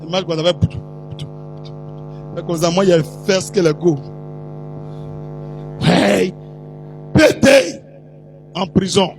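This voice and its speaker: A high-pitched male preacher delivers an animated, teasing storytelling sermon, slipping into put-on voices and sudden shouts. His voice is gravelly and a little slow, with long pauses, while soft music plays faintly in the background.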